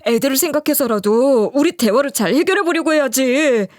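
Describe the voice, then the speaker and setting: A woman's voice: sits high, brisk, no room sound, studio quality, pitched above the performer's own voice, close to an everyday voice. A woman voicing a cheating middle-aged husband who stammers and begs his wife. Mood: begging. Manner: stammering, begging.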